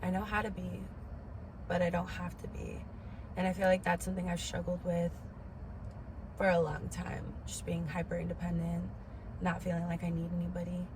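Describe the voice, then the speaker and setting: A woman's voice: on the low side, completely flat delivery, normal speed, background noise. A woman in her twenties giving a candid personal talk to camera, stressing points emphatically by repeating words. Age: 20s. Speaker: vlogger.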